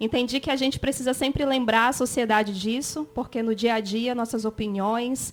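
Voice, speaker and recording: This plain, everyday voice keeps a moderate pace, and its pitch varies in an ordinary way. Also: woman. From Brazil, Amazonas (Careiro Castanho). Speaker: podcast co-host, feminist activist. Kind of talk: podcast self-introduction.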